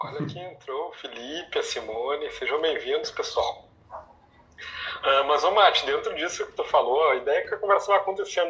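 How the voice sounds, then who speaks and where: Over noticeable background noise, a man talks at a moderate pace. His loudness swings widely. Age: 20s. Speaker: group facilitator. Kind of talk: casual chat. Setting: live stream.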